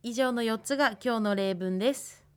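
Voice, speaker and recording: A woman in her twenties from Hokkaido, teaching a radio language lesson, with patient, careful explanations and slow model pronunciations. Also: a little high, a little mellow, clean tone. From Hokkaido, Japan. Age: 20s. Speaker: language lecturer.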